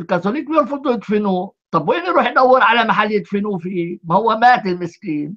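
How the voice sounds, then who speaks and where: This man has a high voice and lively intonation. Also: quiet background. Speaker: legal scholar; talk show guest. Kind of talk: lecture. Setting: video call. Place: home room. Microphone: earbuds.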